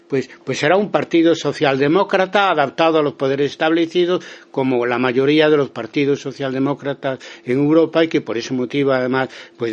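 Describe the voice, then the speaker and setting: A man with an accent from Spain giving spontaneous political commentary in an interview, haltingly, often repeating words and restarting. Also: mid-range voice, highs cut off. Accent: Spanish from Spain. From Galicia, Spain.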